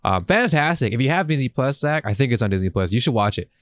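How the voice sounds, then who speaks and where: Guy podcaster rambling excitedly, swears and uses slang, mid pitch, dry close audio. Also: fast, dry recording. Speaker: podcast host. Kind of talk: casual, profane conversation.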